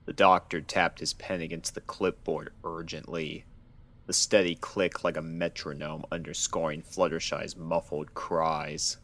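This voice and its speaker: A man narrating a dark fan fiction story in a measured, restrained storytelling manner. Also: rumbling low, level tone, no echo.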